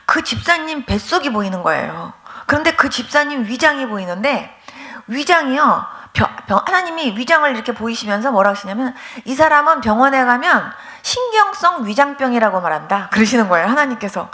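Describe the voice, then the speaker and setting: Telling her own story in a testimony sermon, this woman pastor keeps things lively and performs the conversations. Her pitch is fairly high and her pace brisk.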